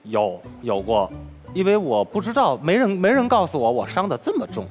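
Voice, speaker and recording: A man, a crosstalk performer telling a personal story as an interview guest, with an animated delivery that acts out the dialogue. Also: a little high, moderate pace, faint music behind. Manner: animated, retells dialogue with lively swings.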